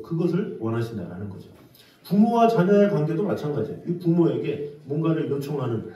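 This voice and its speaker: A man preaching a Sunday sermon as pastor, animated, acting out pleading prayers in a high voice. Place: church sanctuary. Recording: echoey church from a distance.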